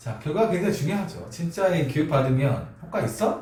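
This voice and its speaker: Amid audible room echo, a man with a fairly high pitch talks at a moderate pace, his pitch swinging very widely. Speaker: network marketing consultant and author. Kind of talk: online lecture video.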